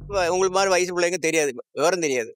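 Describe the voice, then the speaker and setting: Older man, halting street interview answers. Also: high-pitched. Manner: halting, searching for words. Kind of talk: street vox pop answers. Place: covered footbridge outdoors. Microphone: handheld interviewer mic.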